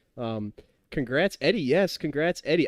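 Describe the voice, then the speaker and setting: A man speaks in a fairly high voice. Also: dry, close sound with no echo. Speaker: gaming streamer. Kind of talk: casual live stream chat. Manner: casual, hesitant with fillers.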